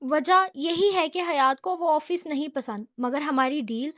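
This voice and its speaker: A woman's voice: high-pitched, fairly bright tone. A woman reading the stubborn, childish lines of a young woman who talks about herself by name, in a novel.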